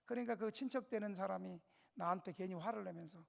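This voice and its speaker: A man's voice: high-pitched, fast, vocal fry. A man preaching a dramatic revival sermon in a reverberant church. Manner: dramatic storytelling, swinging between hushed and loud; questions the congregation directly. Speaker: pastor. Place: church sanctuary.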